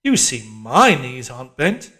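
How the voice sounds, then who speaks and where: A man's voice: medium pitch, sing-song, measured pace, pushed and bright, soft background music. A man voicing a shrewish, bossy middle-aged woman barking exercise orders and patronising encouragement in an audiobook. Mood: brisk, exhorting. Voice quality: shrewish, strident. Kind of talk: audiobook character voice.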